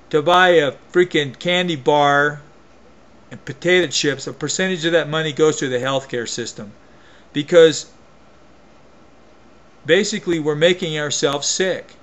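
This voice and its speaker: A man with a voice pitched a little higher than most men rants into the camera in a folksy, emphatic way. He keeps restarting and doubling back on his phrases as he talks. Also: a little slow, long pauses, a bit bright. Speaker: vlogger. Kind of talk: opinion rant to camera.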